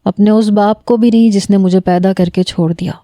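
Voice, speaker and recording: Woman, storyteller, first-person romance narration, steady, mellow, dry. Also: mid-range voice, no room sound.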